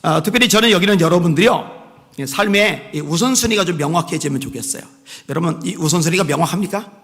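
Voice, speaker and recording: A pastor preaching a sermon in a church. He drives his points hard, switching between shouted exhortations and quiet asides, and has the congregation repeat phrases after him. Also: sits high, quick pace. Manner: leads the congregation in call-and-response repetition. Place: church sanctuary. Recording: long reverb of a church hall.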